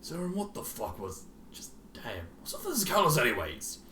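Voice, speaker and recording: A brash female pegasus, as a story reader plays the part talks in a casual, flustered, blurting way. The voice is bright and echoes in the room. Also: mid-range voice, wildly swooping pitch, normal speed, a little hiss or hum. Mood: uneasy.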